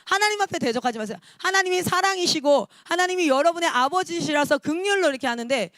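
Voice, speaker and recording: A woman in her thirties, a missionary, preaching a lively sermon with emphatic calls and acted-out quotes. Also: very high-pitched, fast, dry recording, clean studio sound.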